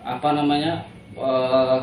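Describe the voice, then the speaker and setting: A man's voice: mid-range voice, slow, a little hiss or hum. A man from Indonesia, casually telling a story as a guest and acting out the dialogue with laughter. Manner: animated, laughing, acts out dialogue. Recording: roomy echo from far off.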